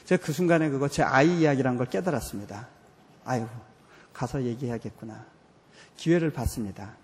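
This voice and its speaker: A man's voice: mid-range voice, fairly quick. A man, a missionary, preaching a sermon and telling a personal story in a heartfelt, earnest way. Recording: reverberant hall.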